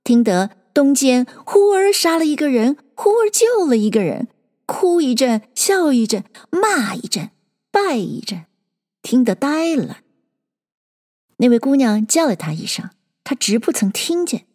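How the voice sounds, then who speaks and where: Expressive woman reading an old novel. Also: high-pitched, unhurried, in a large hall. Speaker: storyteller. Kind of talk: reading a classic novel aloud.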